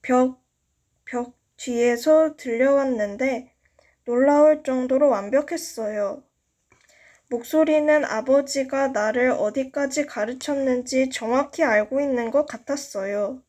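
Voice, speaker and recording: An amateur audiobook reader with a high, warm voice reads a novel aloud a little slowly. She delivers it carefully but stumbles now and then.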